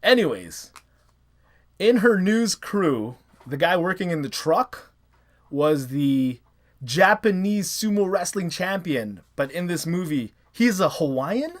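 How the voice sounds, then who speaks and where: A man's voice: high voice, big pitch swings, slow pace. A man hosting a casual movie review vlog, talking enthusiastically and rambling a little. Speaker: host.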